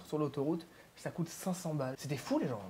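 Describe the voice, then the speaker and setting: A man with a fairly high pitch and a dark, mellow, somewhat breathy tone, speaking at a very fast pace with fairly even intonation. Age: 20s. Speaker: fitness YouTuber. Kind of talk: vlog. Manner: casual.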